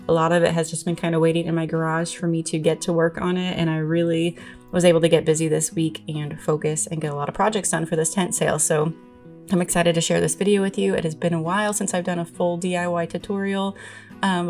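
A young woman who runs an antique booth, chatting casually in a voice-over with lots of ums. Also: on the low side. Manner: friendly, chatty, with frequent ums.

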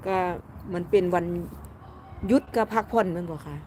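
A woman's voice: fairly low pitch, moderate pace, darkish tone, slight background noise. A woman with an Isan Thai accent chatting casually with live viewers from her garden, laughing often as she reads their comments. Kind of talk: casual live-stream chat. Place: home garden outdoors.

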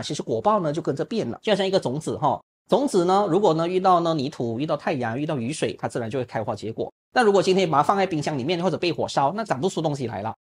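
A man, a Buddhist monk, teaching and answering questions in a lively, humorous way over an online call, filling his speech with little particles. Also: on the high side, slightly rough. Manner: lively, humorous, acts out examples; frequent filler particles like "呢" and "啊". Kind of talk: Dharma talk answering questions. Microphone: online video call.

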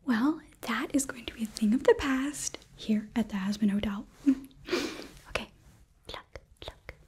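A young woman playing a sweet, earnest hotel hostess from Hell in a whispered ASMR roleplay, gently coaxing and a little hesitant, close to the microphone. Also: fairly high pitch, measured pace, husky. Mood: gentle, attentive. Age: young adult. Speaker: ASMR performer.

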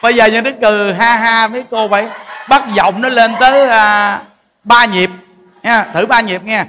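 His voice is high and steady, pushed and bright, at a moderate pace, with some chatter in the background. A Buddhist monk, he teaches a folksy Dharma lesson in a large temple hall and prompts the congregation with questions. Long reverb and faint noise fill the recording.

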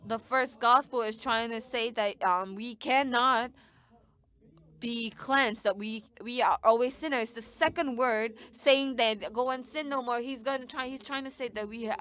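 A woman's voice: on the high side, unhurried, fairly bright tone, smooth. A woman giving live interpretation of a sermon, speaking in short bursts with frequent restarts.

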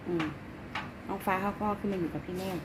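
A woman's voice: mid-range voice, steady tone, fast, background noise. A middle-aged woman chatting casually at home about her pets, cooing to her cats in baby talk. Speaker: pet owner filming her cats and rabbits. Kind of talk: casual chat to pets and viewers.

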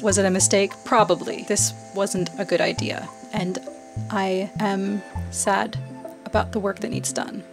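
A young woman talking casually and self-mockingly to her viewers while working on a camper, outdoors and inside it, into a clip-on mic. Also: mid-range voice. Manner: chatty, self-mocking, laughs often. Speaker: vlogger. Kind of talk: casual DIY vlog. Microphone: clip-on mic held to the mouth.

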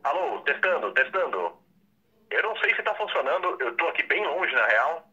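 Fields: Sex: man. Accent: Brazilian Portuguese. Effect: on speakerphone. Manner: casual, chatty. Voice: bright, husky. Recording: tinny phone speaker. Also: a little high, very animated, moderate pace. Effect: heard through a phone on speakerphone. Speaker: tech vlogger host. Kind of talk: casual vlog talk to viewers.

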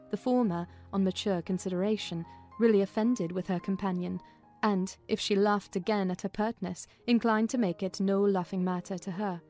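A woman narrates an audiobook in a mid-pitched voice. The reading is scripted and dramatic, with music playing faintly behind her. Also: a little mellow.

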